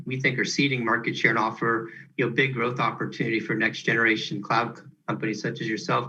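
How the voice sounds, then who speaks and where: A man's voice: mid-range voice, pushed and bright, highs cut off. A man moderating a business question-and-answer session, politely relaying questions from the audience over a conference call.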